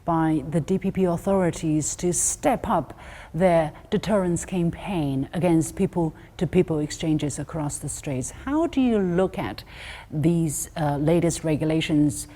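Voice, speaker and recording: A woman interviewer asking formal, measured questions. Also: low-pitched, dark tone. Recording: reverberant room.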